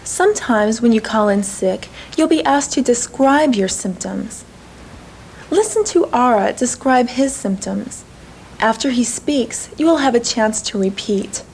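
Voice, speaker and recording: A woman narrating an English lesson in a clear, measured teacher's delivery. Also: a little high, expressive, a little mellow, slight background noise, low-quality recording. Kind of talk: scripted instructional narration.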